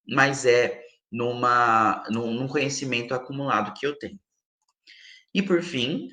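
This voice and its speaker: A man's voice: medium pitch, pushed and bright. A male linguistics professor with a Brazilian Portuguese accent, patiently explaining ideas with many examples as an interview guest. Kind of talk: explanatory academic interview answer. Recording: roomy echo.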